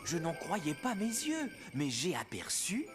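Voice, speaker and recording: Very expressive cartoon dad. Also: male voice, on the high side, a little slow, music in the background. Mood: hushed, dramatic storytelling. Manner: expressive, storyteller-like. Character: warm, patient father of a small boy. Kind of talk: French-dubbed children's cartoon acting.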